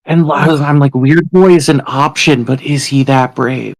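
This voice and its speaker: A man's voice: mid-range voice, moderate pace, no echo. A man playing in a tabletop game, chatty and self-deprecating as he talks with the group. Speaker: player. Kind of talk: casual tabletop game chat.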